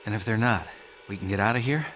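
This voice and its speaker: A man's voice: on the low side, quick pace, a bit bright, roomy sound, long reverb tail, slight background noise, natural voice. A man playing a worried, earnest father with a hesitant way of talking, in a naturalistic video game style. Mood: uneasy, wry. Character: worried, earnest everyman father searching for his daughter.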